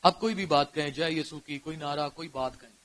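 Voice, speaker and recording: A high-pitched man with a Pakistani accent preaches to a church congregation, his voice bright and forceful. He throws rhetorical questions at the listeners and moves between hushed storytelling and loud, ringing exclamations. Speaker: pastor. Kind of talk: sermon. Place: church service before a congregation.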